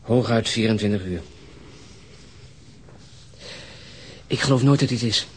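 A man plays an exhausted police detective in a naturalistic radio drama. His voice sits very deep, and he speaks in terse, halting, gloomy phrases. Faint noise runs under the recording. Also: close to an everyday voice. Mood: weary, matter-of-fact.

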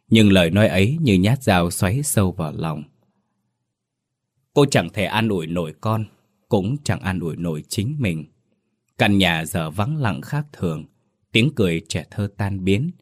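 Deep-voiced man narrating a mournful tale. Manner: solemn, mournful storytelling. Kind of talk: scripted narration of a tragic ghost story.

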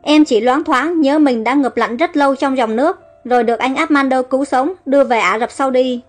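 A woman's voice: high voice, brisk, faint music behind, natural voice. A woman reading as an emotional bewildered young woman. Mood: tearful. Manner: emotional, pleading.

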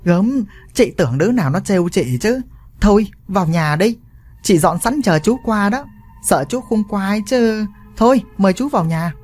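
A loud, coaxing village woman with a flirty streak, cooing and exclaiming over her guest, as a male storyteller puts her on. The voice sits higher than a man's usual and swings around a lot, with faint music underneath. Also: expressive, moderate pace. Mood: fawning.

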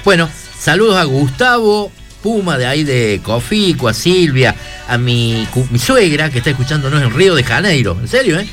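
A man hosting a live radio show with a Córdoba Argentine accent, chatting casually and teasing his co-hosts with quick jokes. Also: fairly high pitch, very animated, fairly bright tone, faint music behind. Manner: joking, teasing, quick asides. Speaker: radio host. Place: radio studio.

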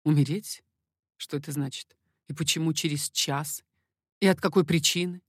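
A woman voicing an amorous, confident king in a storybook reading, lowering her voice and speaking slowly and insistently. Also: fairly even intonation, breathy edge, no room sound, studio quality. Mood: ardent. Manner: low, slow, insistent. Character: amorous middle-aged man, a king, confident and ardent.

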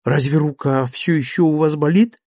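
A man's voice: on the high side, normal speed, dry recording, studio quality, voice pushed up, lightly acted. A man voicing a playful, petulant young wife who coaxes and pouts. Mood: pouting, coaxing. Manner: coaxing, pouting, lively.

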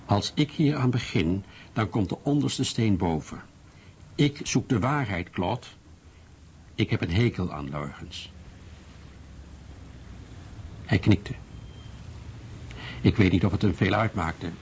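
A man playing a blunt, measured writer in a scripted first-person account. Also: fairly low pitch, animated, a little mellow. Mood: firm. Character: blunt male American writer recounting his search for truth. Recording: dull lo-fi sound, faint noise.

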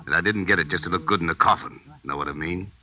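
A menacing middle-aged crime boss from a 1940s radio thriller. The voice sits extremely low and cuts sharply through a muffled old recording. He talks in slangy taunts, smugly in command. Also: quick pace, pushed and bright. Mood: cold, explaining. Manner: slangy, taunting tough-guy talk.

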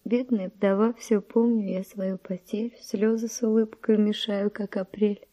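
An actress playing a virtuous young Spanish noble widow, with refined, breathy, emotional delivery in a verse radio drama. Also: female voice, mid-range voice, little pitch movement, measured pace, mellow, natural voice. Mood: demure.

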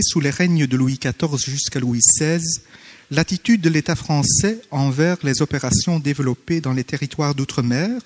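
A man who is not a native French speaker, formally reading a conference paper with hesitant pauses and self-corrections. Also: a little high, darkish tone, long reverb tail. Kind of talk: academic conference paper read aloud. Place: conference hall.

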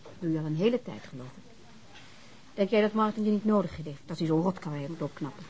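A woman's voice: fairly low pitch, fast talker, darkish tone, slight background noise, natural voice, rough recording. An actress playing an outspoken, caring woman in a radio drama, speaking frankly and directly. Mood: challenging. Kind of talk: naturalistic radio drama acting.

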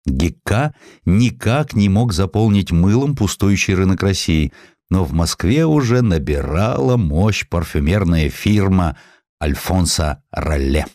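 A man reading a historical story as an audiobook narrator, in an expressive, measured, literary storytelling style. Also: deep voice, no room sound, studio quality. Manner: expressive, measured storytelling with distinct character lines.

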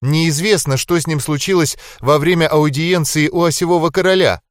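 A man voicing a young angelic wife, devoted and anxious, in an audiobook, speaking in a softly raised, earnest voice. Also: fairly high pitch, normal speed, dry recording, studio quality, voice pushed up, lightly acted.

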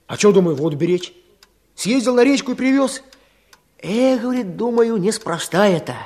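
An actor playing an earnest, businesslike village man with a husky voice in a radio play. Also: high-pitched, lively intonation, moderate pace, a little mellow. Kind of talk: Soviet radio play acting.

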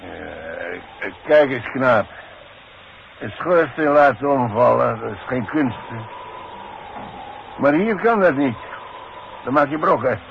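An older man acting in a 1960s radio drama as a cagey, proud old demolition worker, hesitant and deliberate in his talk. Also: medium pitch, animated, vocal fry. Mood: deliberate, confident. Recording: muffled old radio recording with faint noise.

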